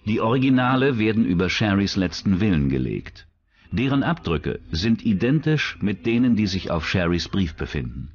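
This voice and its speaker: A man's voice: fairly low pitch, very animated, moderate pace, highs cut off. A man reading scripted narration for a true-crime documentary.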